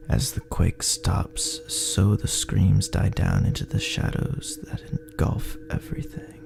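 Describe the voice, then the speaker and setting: A man tells a dark tale with ominous, theatrical weight. His low voice is thick with gravelly creak and often sinks toward a breathy near-whisper. He moves slowly through the second-person horror narration.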